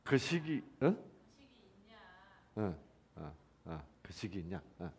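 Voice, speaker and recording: A man's voice: sits low, takes it slowly, husky. A middle-aged man giving a church lecture on the Bible, questioning the audience and joking as he goes. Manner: lively, questions the audience, jokes and laughs.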